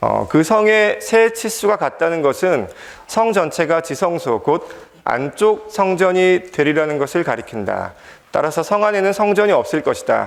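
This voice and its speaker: A man with a high-pitched voice talks at a fairly slow pace, his pitch rising and falling in an ordinary way. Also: very even loudness. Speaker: Bible seminar teacher. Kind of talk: Bible study lecture with outline reading.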